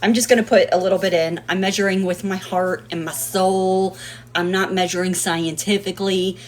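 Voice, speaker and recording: A woman's voice: medium pitch, fairly even intonation, normal speed. A woman hosting a casual home cooking video, chatty and rambling, with playful sing-song nonsense rhymes. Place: home kitchen.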